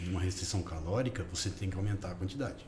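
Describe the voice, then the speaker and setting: A somewhat breathy male voice. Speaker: nutritionist.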